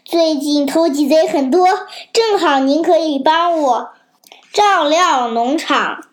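An earnest, trusting shepherd, as a child puts him on. He speaks with feeling in a high voice at a slow, careful pace. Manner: earnest and emotional. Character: trusting, grateful male shepherd.

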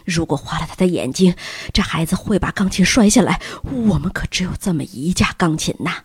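A woman voicing a nervous, fussy middle-aged headmaster who mutters in a hurried, anxious way. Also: fairly low pitch, lively intonation, darkish tone, slightly rough, no room sound, clean studio sound.

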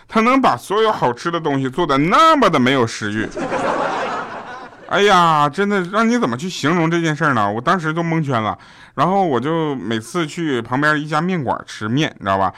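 A medium-pitched man hosts an audio show and performs a stand-up comedy monologue, moving from deadpan setups to fast punchlines. He keeps addressing the listener with "you know?".

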